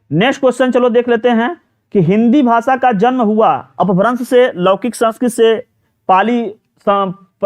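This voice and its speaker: Recorded with muffled audio, a Hindi teacher with a high voice teaches an exam-prep class live online. He takes students through every question, says words over again, keeps pressing them to answer, and leans heavily on fillers.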